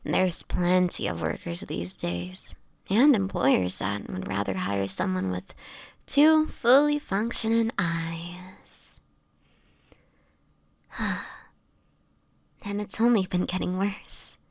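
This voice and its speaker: A woman playing a sickly, homeless vampire in an intimate audio roleplay, speaking softly and haltingly, often in a whisper, with formal old-fashioned wording and gentle melancholy. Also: mid-range voice, gravelly, no echo, exaggerated voice. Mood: sorrowful, weary. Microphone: close microphone, dry.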